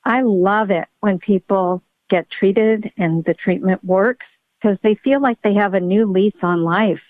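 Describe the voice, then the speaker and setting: A woman's voice: mid-range voice, unhurried, no echo. Woman guest expert, middle-aged, eager explainer, phone-quality line. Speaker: pediatric neurologist guest. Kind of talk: podcast interview. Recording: tinny phone-like line, dry.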